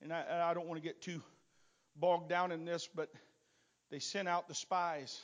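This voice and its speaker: A man preaching a sermon, swinging from quiet asides to loud, shouted exhortation. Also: on the high side, flat delivery, measured pace. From not from Texas.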